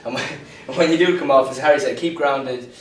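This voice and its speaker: A man's voice: mid-range voice, fairly quick, far from the mic, a crowd in the background. A man with an Irish accent, a band member, chatting casually and rambling through an answer. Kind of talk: casual interview chat. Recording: roomy, off-mic.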